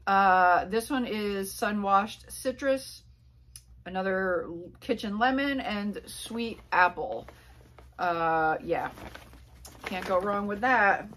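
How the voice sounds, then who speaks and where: A woman's voice: medium pitch, slow, fairly bright tone, slight background noise. A woman in her forties chatting casually to camera about her flea market finds, rambling with lots of fillers and asides, in a small indoor room. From Pennsylvania, USA. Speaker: reseller vlogger. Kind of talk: casual haul chat to camera. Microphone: camera on a tripod at a few feet.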